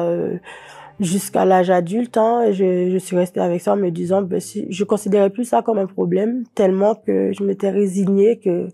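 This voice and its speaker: A woman from French Guiana giving a personal testimony, speaking hesitantly with many pauses and restarts. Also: medium pitch, gravelly, dark tone.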